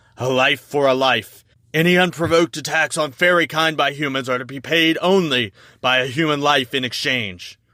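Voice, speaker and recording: A man's fairly high, put-on character voice. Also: moderate pace. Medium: read story. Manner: snarling, menacing.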